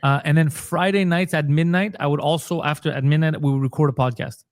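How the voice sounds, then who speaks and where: A man's voice: a little high, fairly even intonation, fairly quick, no room sound, clean studio sound. A comedian and podcaster from Montreal, a man, telling his story in a casual interview and acting out the dialogue he quotes. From Montreal, Canada.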